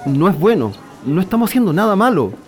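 A man's voice: high-pitched, sing-song, fast talker, a little mellow, some chatter behind, a little hiss or hum. A man playing an earnest young man in a radio drama who talks hesitantly with many fillers.

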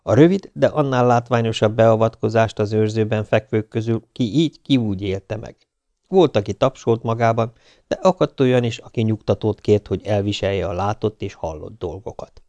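A man reading an audiobook in an even, measured way. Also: lowish voice, no echo. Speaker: audiobook narrator. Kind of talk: audiobook narration.

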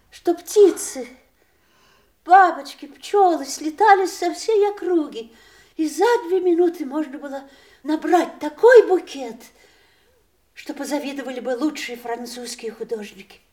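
Усталой горькой жены у смертного одра. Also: female voice, high voice, darkish tone. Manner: restrained, wistful, sharply ironic. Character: aging wife at her husband's deathbed, weary and bitter. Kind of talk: 1980s stage radio play acting.

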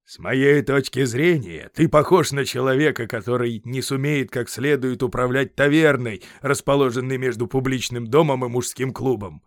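Brief: Roman general in his fifties, blunt, unbending, scornful; audiobook narrator doing the part. Mid-pitched, dry sound. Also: normal speed, few pauses, no room sound, natural voice. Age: 50s. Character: blunt stubborn aging Roman general, man. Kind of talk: audiobook character reading.

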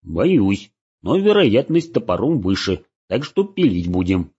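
A blunt, teasing adventurer talks in a husky, lively voice, voiced by a male narrator. He stays dry and matter-of-fact. The recording sounds dull and lo-fi. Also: lowish voice, unhurried, full character voice. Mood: wry.

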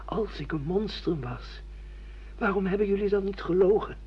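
A man's voice: high-pitched, moderate pace, slightly rough. An actor playing a bitter, defiant judge who has lost his memory, argumentative and sardonic, in a Dutch radio play. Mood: bitterly defiant. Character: bitter amnesiac judge, defiant man refusing his past. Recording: dull lo-fi radio play recording.

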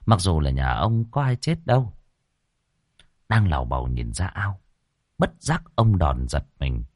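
A man telling a dramatic story with vivid, expressive narration. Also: deep voice, a little slow, no echo, clean studio sound.

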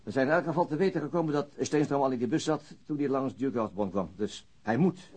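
An actor playing a worn-out, grumbling police investigator in a naturalistic radio drama, with a glum, sardonic delivery. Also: male voice, mid-range voice, quick pace, a little mellow, husky, close to an everyday voice. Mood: businesslike.

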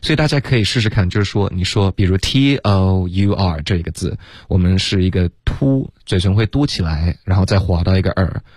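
A man teaching English pronunciation on a radio lesson in a relaxed way, often dropping "OK" and "right" between explanations and slowly sounding out words. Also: deep voice, no echo.

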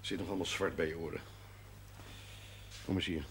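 An actor playing a stern, status-conscious Catholic parish priest who admonishes with dignity in a television period drama. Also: male voice, deep voice, fairly even intonation, brisk, fairly bright tone. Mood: reproving. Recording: faintly noisy old television soundtrack.

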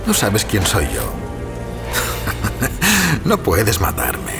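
A man's voice: lowish voice, wildly swooping pitch, very slow, over music, exaggerated voice. A man playing a conceited, threatening street thug in a horror audio drama, arrogant and defiant. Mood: cornered defiance.

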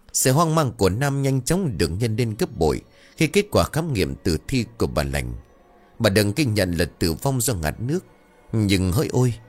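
A man narrating a ghost story, reading it aloud in an expressive way and voicing the characters' dialogue. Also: fairly low pitch.

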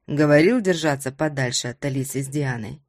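A strong, protective man with an icy edge, as a woman reader puts him on. His voice drops low and stays cold and threatening. A storybook hero in a tense moment. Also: fairly quick, darkish tone, no echo, studio quality. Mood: menacing.

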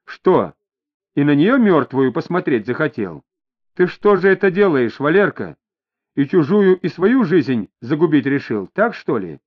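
Man playing a firm, steady police inspector. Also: on the high side, moderate pace. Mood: steady, probing. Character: calm, firm male police inspector questioning a suspect. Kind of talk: audiobook character voice. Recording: dull lo-fi audio.

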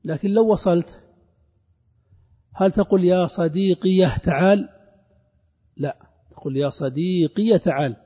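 A man lectures on grammar to a class in a large hall, and his words ring out with a long reverb. His voice sits fairly high for a man but sounds very dark and mellow, with a slightly husky edge. He asks questions and answers them himself, then repeats each example slowly, all on a dull, lo-fi recording. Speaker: grammar teacher.

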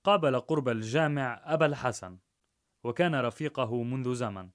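A man narrating a rhymed story in a measured, rhythmic way. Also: medium pitch.

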